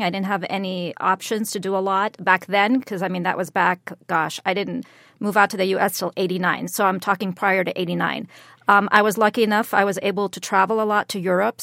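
A woman born in Lebanon and raised in Saudi Arabia and Jordan, speaking as a panel guest in an animated, emphatic way. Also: medium pitch, a little fast, creaky, no echo, studio quality. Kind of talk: panel discussion.

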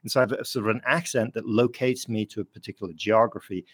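A man's voice: fairly low pitch, steady tone, quick pace, breathy edge. A man from France, a biologist guest, explaining thoughtfully in a radio interview and chuckling now and then.

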